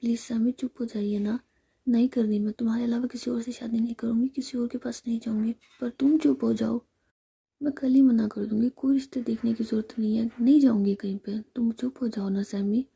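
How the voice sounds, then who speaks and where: A woman's voice: fairly high pitch, steady tone, brisk, vocal fry, mellow, husky, heavily acted. A woman voicing a playful, doting young woman in whispered role-play, coaxing and pleading. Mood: soothing.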